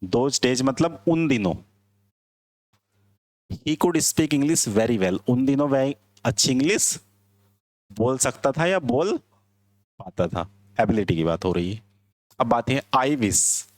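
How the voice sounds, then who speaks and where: Man with teaching english, drawn-out slow delivery, keeps asking if it's clear. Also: mid-range voice, animated, no echo. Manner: explains slowly, checks understanding with questions. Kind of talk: classroom lecture. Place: classroom.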